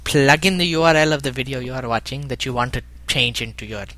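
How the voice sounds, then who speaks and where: A man's voice: mid-range voice, quick pace, bright, forceful tone. A man co-hosting a comedic podcast, playful and agreeable, often repeating his words. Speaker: podcast co-host.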